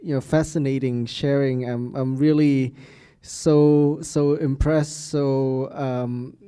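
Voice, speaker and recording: A man hosting a university speaker series, effusive in his thanks and halting, with many fillers and stammers. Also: mid-range voice, steady tone, warm tone, clean tone. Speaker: university host.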